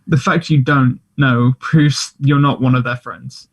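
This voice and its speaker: A man's voice: medium pitch, fairly even intonation, measured pace. A man acting a chatty, self-deprecating gay teenage schoolboy in a table read, hesitant, earnest and teasing. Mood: playful, teasing. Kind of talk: play table read, naturalistic dialogue.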